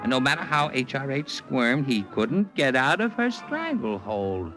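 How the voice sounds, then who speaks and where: An actor playing a nervous, fast-talking male Hollywood agent who narrates a 1950s radio drama, wheedling and excitable. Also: medium pitch, music in the background. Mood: harried. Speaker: harried talent agent and narrator.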